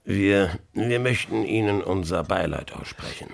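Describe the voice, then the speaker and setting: An actor playing a tactful police detective in a radio play, speaking in a measured, official way. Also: male voice, sits low, lively intonation, creaky, full character voice. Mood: sober, tactful. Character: police detective, man, sober and hesitantly tactful. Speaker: actor in an audio drama. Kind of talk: German radio play acting.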